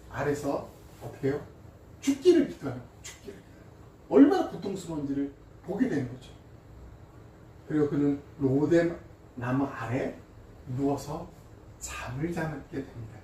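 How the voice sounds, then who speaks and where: A man preaching a sermon as pastor, with emphatic loud stresses and soft drops. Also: on the high side. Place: church sanctuary. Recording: echoey church hall, voice from a distance, faint noise.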